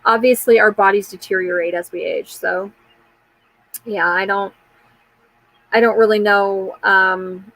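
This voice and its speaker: A woman in her forties hosts a casual live chat, candidly rambling and answering viewer comments with frequent fillers and restarts. Her medium-pitched voice is steady and a bit bright, a little slow with long pauses, and the audio quality is poor.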